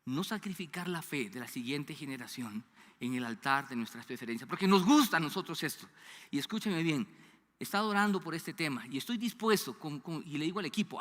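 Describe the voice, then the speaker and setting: Colombian pastor in his 50s preaching, bright high voice, lots of church hall echo. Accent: Colombian Spanish (Bogotá). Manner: animated preaching, questions to the congregation, sudden drops to a low hushed voice. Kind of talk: sermon. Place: church sanctuary. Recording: long church hall reverb.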